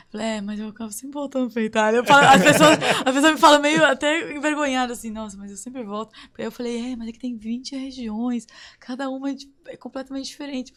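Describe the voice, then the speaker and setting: A woman from Brazil, a guest on a podcast, chatting in an animated way with quick asides and frequent laughter. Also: high-pitched. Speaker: guest, citizenship consultant. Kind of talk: casual podcast chat. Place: studio table.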